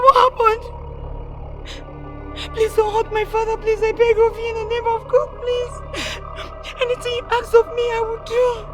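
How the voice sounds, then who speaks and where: A woman's voice: very high voice, darkish tone. An actress playing a terrified young woman who begs for her father's life. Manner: pleading, frantic. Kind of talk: film drama acting.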